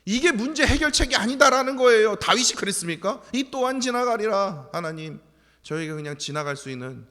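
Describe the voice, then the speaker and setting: A male pastor giving an early-morning sermon, animated and full of rhetorical questions. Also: high-pitched, a little fast, in a large hall. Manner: animated preaching with rhetorical questions and acted-out quotes. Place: church sanctuary.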